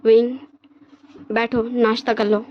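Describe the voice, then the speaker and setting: A woman voicing a caring, gentle middle-aged mother in a storybook retelling, speaking in a reassuring way. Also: on the high side, little pitch movement, slow pace, highs cut off.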